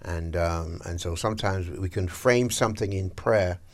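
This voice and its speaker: A man's voice: low voice, moderate pace. A middle-aged man hosting a Christian breakfast radio show, chatting about prayer in a preacherly, chatty way. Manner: chatty, preacherly, lots of agreeing yeahs. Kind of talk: casual on-air chat about faith.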